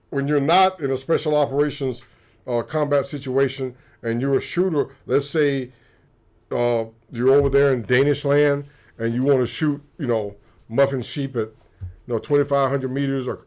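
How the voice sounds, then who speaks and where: Unhurried and darkish in tone, the mid-range voice belongs to a livestream co-host who used to be a sniper. He lays things out in a matter-of-fact, casual way, frequently starting over mid-thought.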